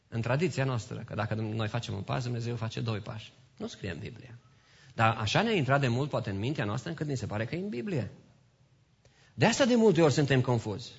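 A man preaching a sermon in a church, swinging between quiet asides and loud impassioned build-ups. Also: mid-range voice, slightly rough. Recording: dull lo-fi recording.

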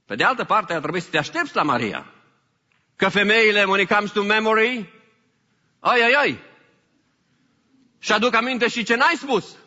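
A man preaching a sermon as pastor, animated and emphatic, with some English phrases mixed in. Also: sits high. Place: church hall. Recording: hall reverb, dull lo-fi sound.

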